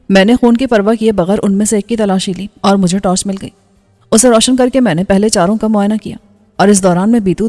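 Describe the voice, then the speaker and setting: A woman reading a first-person action novel aloud in steady storytelling narration. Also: mid-range voice. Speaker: audiobook narrator. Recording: slightly dull with faint music.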